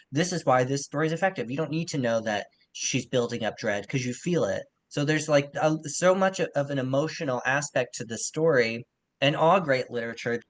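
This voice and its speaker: Male literary podcast co-host, average pitch, casual and discursive analytical talk. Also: a bit bright.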